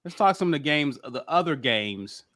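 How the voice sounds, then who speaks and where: A man's voice: fairly high pitch, lively intonation, a bit bright, no echo, studio quality. Upbeat man hosting a sports show. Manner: upbeat, rapid show intro with plugs. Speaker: podcast host. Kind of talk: casual sports talk.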